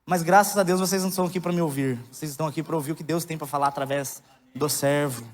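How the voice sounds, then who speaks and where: Brief: male preacher, thirties, high-pitched voice, joking candid delivery, church hall with long reverb. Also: fairly even intonation, very fast. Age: 30s. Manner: candid, joking, rising to loud emphatic outbursts. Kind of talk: sermon.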